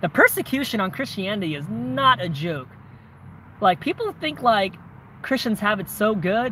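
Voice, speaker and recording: Using a raised, projected voice with an American accent, a man speaks at a high pitch with very wide pitch swings. His pace is moderate, broken by long, frequent pauses. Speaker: YouTuber. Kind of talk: casual chat.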